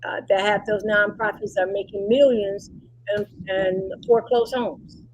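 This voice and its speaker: A woman's voice: mid-range voice, fairly even intonation, unhurried, rough recording. A woman presenting an informal webinar from an online call, repeating her points and checking in often as she teaches. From Cleveland, Ohio. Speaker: presenter teaching about nonprofits. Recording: faint background noise on webinar call.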